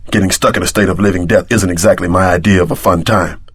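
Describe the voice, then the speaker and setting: An actor playing a streetwise, wisecracking tough sidekick in a video game, wry and wary, with slangy delivery. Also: male voice, low voice, fairly even intonation, quick pace, husky, no echo, clean studio sound. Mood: casual, alert.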